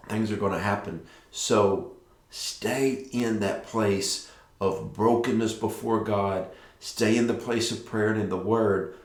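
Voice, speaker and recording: A middle-aged man with a fairly low voice presents a devotional prophetic talk in a noticeably echoey space. He talks as best he can around a sore mouth with fresh stitches from dental surgery, sharing and commenting as a ministry leader. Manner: careful, slightly impeded speech from a sore, stitched mouth after dental surgery. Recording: echoey, roomy sound.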